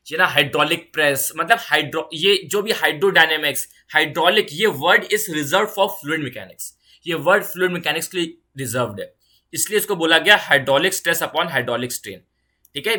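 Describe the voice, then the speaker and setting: Bright-voiced woman physics teacher. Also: deep voice. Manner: repeats key phrases, mixes English terms into fast explanation; reassuring, checks in with "ठीक है". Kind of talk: online exam-prep lecture.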